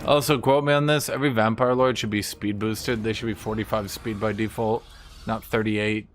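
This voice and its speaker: A man's voice: fairly low pitch, steady tone, normal speed. A man giving casual, blunt and sweary live commentary on a strategy game as he streams to chat.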